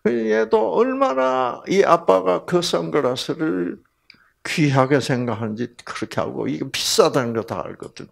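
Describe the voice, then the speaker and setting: A man's voice: fairly high pitch, gravelly. A man giving a storytelling Bible lecture to a live audience. He asks the audience questions, acts out the people in his story and often drops to a whisper. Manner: slow, animated delivery, often dropping to a whisper.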